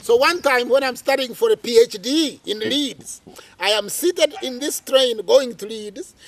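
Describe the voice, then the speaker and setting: This middle-aged guest from Uganda tells his life story animatedly and dramatically in an interview, peppering it with fillers. His voice is very high-pitched and his pace is measured. He's recorded on a lapel mic while sitting outside beneath a tree.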